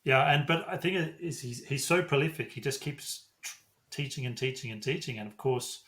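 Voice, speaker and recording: A man's voice: mid-range voice, a little fast, fairly bright tone. A man hosting a podcast interview, conversational and affirming, laughing readily. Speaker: podcast host. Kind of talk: casual interview chat.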